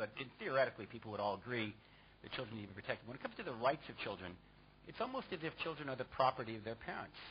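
American-accented male speech against noticeable background noise. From United States. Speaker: panelist, former sociologist. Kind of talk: panel discussion. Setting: conference room with audience.

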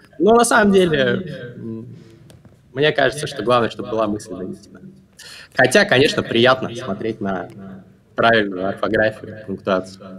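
A man speaks at a moderate pace with lively intonation, leaving long, frequent pauses over light background noise. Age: 20s. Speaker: YouTube book blogger. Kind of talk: interview. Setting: video call. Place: home room. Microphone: video call.

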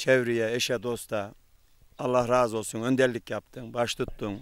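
A man at a moderate pace, with monotone, flat intonation and dry sound with no echo. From Turkey. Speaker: farmer. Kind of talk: casual interview. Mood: warm, grateful greetings. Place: garden.

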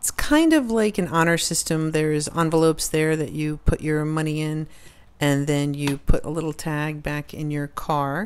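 Pitch shifts by ordinary amounts as the words come at a moderate pace. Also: woman. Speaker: beach vlogger. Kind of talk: casual vlog chat. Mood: cheerful, relaxed. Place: beach. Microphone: phone near.

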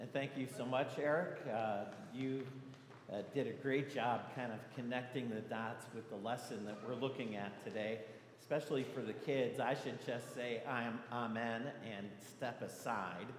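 Amid audible room echo and light background noise, a man talks at a fairly slow pace with fairly even intonation. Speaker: pastor. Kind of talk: sermon delivered to a congregation. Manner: casual, candid. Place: church.

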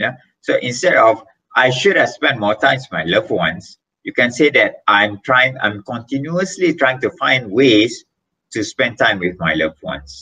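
Against a quiet background, a man with a bright, sharp tone and vocal fry talks at a moderate pace, his pitch swinging very widely. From Malaysia. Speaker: motivational speaker and trainer; webinar speaker. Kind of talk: webinar talk. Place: home room. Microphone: webcam.

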